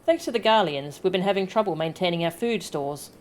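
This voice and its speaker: A woman's voice: fairly low pitch, lively intonation, brisk, a little hiss or hum, lightly acted. A woman voicing a friendly, chatty tribal villager from a video game, apologetic and reassuring. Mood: sheepish, friendly. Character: hungry, friendly tribal villager asking for hunting help. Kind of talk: voiced reading of video game dialogue.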